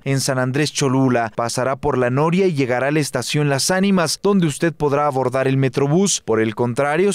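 A man reading a scripted news report as a voice-over, explaining routes clearly and addressing the viewer directly. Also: on the high side, no room sound.

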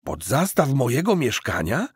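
A man voicing a naive, doubtful young man in an audiobook, speaking in a slow, wary, questioning way. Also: mid-range voice, wildly swooping pitch, slightly rough, no echo, studio quality, pitched above the performer's own voice, exaggerated voice.

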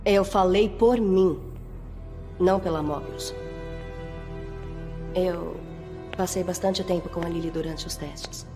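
A woman with a Brazilian accent playing a composed, caring agent, measured and earnest, in a dramatic video game. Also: fairly low pitch, fairly even intonation, music in the background. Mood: earnest, reassuring. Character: composed, caring female agent guiding a partner.

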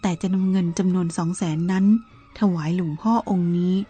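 A woman reading a Buddhist novel aloud in a calm, measured storytelling manner, with soft music behind her. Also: lowish voice, husky. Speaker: narrator.

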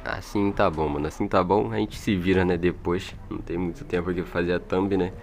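Male gamer, Brazilian accent, low-pitched, chatty and informal, light music underneath. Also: steady tone, fairly quick, vocal fry, a little mellow. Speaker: gaming video creator. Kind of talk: casual gameplay commentary. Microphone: old microphone. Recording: music behind, old microphone.

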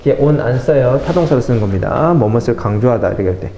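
A middle-aged man teaching English vocabulary in a lively classroom lecture, mixing English phrases into his explanations and talking to his students as kids. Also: mid-range voice, quick pace. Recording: echoey classroom with faint noise.

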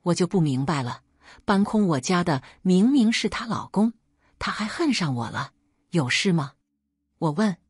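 A woman reads a first-person story in an even, measured way. Her voice is low and slightly husky, and the recording is close and dry. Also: no room sound. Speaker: narrator.

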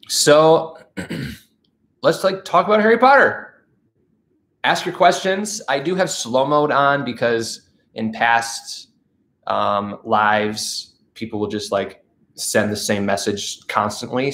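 A channel host in his thirties, stuffed up from allergies, livestreams from his living room couch, chatting upbeat with viewers and reading out their messages. His mid-range voice is fairly bright, picked up by a camera facing him at close range.

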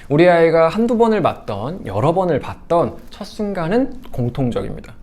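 A man giving a lecture to parents as a sex education instructor, talking in an animated way and often acting out quoted lines. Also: fairly high pitch, a little fast.

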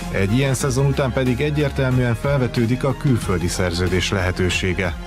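A man reading scripted narration for a sports report. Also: mid-range voice. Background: music.

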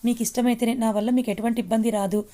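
A woman voicing a young male office worker who keeps calling a stranger and talks smoothly and persistently. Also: a little high, fairly even intonation, very fast, dark tone, a little hiss or hum, lightly acted.

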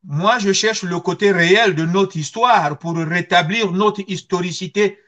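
A man's voice: high voice, a little slow, a bit bright, lo-fi sound. A middle-aged man with a Congolese accent, giving personal testimony in an earnest, emphatic way with rhetorical questions. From Congo-Brazzaville. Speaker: guest speaker. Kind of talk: personal testimony on history and identity. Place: small furnished room at home, video call.

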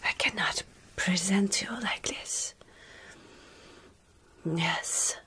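Woman whispering asmr as a protective old vampire lady, hushing and soothing, crisp bright edge, really slow. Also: on the low side, steady tone. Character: caring centuries-old female vampire sheltering a fledgling. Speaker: ASMR roleplay performer.

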